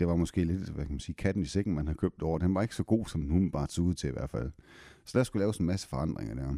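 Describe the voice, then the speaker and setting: A man speaks at a very fast pace. His voice is very deep and low, with a dark, mellow tone. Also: dry, close sound with no echo. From Denmark, Esbjerg (West Jutland). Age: 40s. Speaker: company director, former paramedic. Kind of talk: podcast interview.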